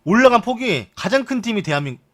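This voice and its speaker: A young man streaming live, reading football news in a chatty, joking way and muttering asides. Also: fast. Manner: chatty, lively pitch, jokes and mutters asides. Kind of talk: casual live-stream commentary.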